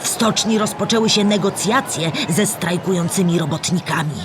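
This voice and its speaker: An actress playing a storyteller who explains history to children in measured, articulate scripted narration. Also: female voice, fairly low pitch, background noise, lightly acted. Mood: explanatory, measured. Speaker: narrator of a children's audio drama.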